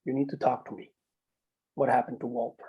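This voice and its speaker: A man playing a calm, persistent small-town mayor in a screenplay table read, measured and probing. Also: mid-range voice, breathy edge, muffled recording, natural voice.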